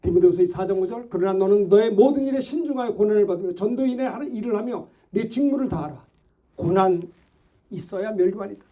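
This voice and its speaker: A middle-aged male pastor preaching a fervent Sunday sermon, shouting and exhorting with rhetorical questions. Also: high voice, fast talker, dull audio.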